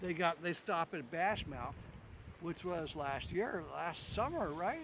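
A man at a high pitch and fairly slow pace, with a dry sound with no echo and noticeable background noise. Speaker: toy reviewer. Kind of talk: casual review vlog chat. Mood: upbeat, hopeful. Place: waterside. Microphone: lapel.

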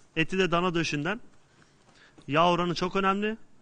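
A man's high, bright, sharp voice at a fairly quick pace, with fairly even intonation. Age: 20s. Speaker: butcher. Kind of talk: cooking demonstration. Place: studio. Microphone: lapel.

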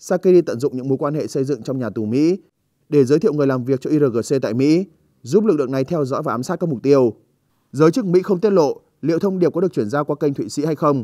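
Lively intonation and a very fast pace mark this man's fairly high-pitched voice. His tone is dark and mellow, and the sound is dry and close with no echo. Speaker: news presenter. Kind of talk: news reading. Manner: formal.

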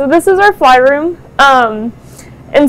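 A woman is speaking. Her pitch is high. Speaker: research technician. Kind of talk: lab tour explanation. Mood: relaxed, friendly. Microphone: phone near.

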